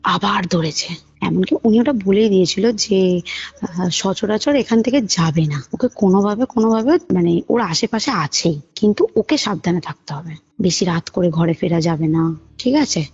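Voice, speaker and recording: A woman's voice: fairly low pitch, moderate pace, darkish tone, husky. A woman telling a personal story casually as a caller, acting out the dialogue she quotes, on a phone call recording. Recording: muffled phone call recording, music underneath. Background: background music.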